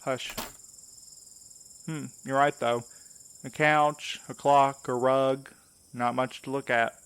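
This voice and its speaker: A man's voice: medium pitch, fairly even intonation, slow, fairly bright tone, clean tone, dry recording. A man playing a wary, sarcastic night courier in an audio drama, with a wry, informal way of talking. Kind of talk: naturalistic audio drama acting.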